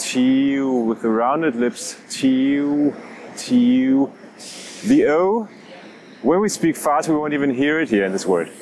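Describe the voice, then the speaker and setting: Over noticeable background noise, a speaker with a Danish accent talks very slowly with lively intonation and long, frequent pauses. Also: man, fairly high pitch for a man. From Denmark. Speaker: language teacher. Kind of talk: tutorial. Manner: slow, repetitive drilling.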